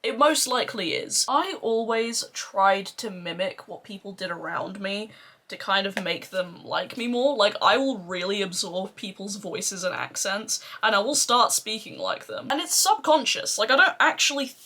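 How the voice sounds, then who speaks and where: The husky-voiced woman you'd hear on a makeup tutorial, rambling playfully to her followers as she works. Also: medium pitch, expressive, moderate pace, pushed and bright. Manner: playful, sweary, self-deprecating. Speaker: beauty vlogger doing a makeup tutorial. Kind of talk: casual rambling chat to camera.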